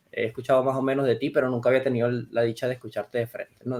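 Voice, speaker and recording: The man's voice sits at a medium pitch and stays monotone, with flat intonation. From Venezuela. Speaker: Bible scholar and teacher. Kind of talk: casual theological discussion.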